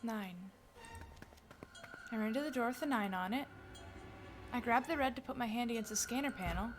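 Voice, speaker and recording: A young woman streamer reading a game's narration aloud with expression and breaking off for quick casual comments. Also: a little high, soft background music. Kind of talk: let's play, reading game narration aloud.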